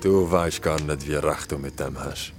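An actor playing a young man among friends who drops dark hints in a radio drama. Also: very deep voice, moderate pace. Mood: ominous. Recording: radio drama over loud music.

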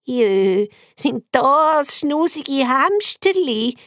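A fussy old grandmother coos in a raised, lilting Swiss German voice, as a woman puts her on. The voice is somewhat breathy and sits close and dry. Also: a little high, very animated, unhurried, a little mellow, no room sound, voice pushed up, exaggerated voice. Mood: doting. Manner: cooing, fussy. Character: doting, cooing grandmother.

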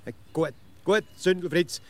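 A man's voice: high-pitched, a little slow, a bit bright. An actor with a Swiss accent playing a grumpy, impatient man in a children's radio play, grumbling and sarcastic. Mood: exasperated. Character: grumpy, impatient know-it-all grown man.

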